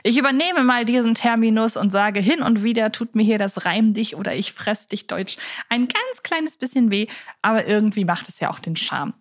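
A woman's voice: on the high side, expressive, normal speed. A woman hosting a podcast in a chatty, wordy and polite way. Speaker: podcast co-host.

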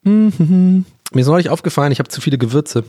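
A man's voice: fairly high pitch, animated, fairly quick, mellow. A man hosting a casual solo podcast, rambling through his thoughts with self-mocking laughs. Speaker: podcast host.

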